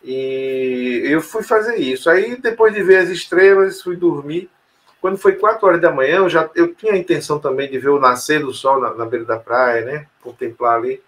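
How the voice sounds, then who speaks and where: A man's voice: fairly high pitch, normal speed, a bit bright. A man telling a personal story in an interview, hesitant, with many fillers and restarts. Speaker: interview guest. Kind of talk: casual storytelling conversation.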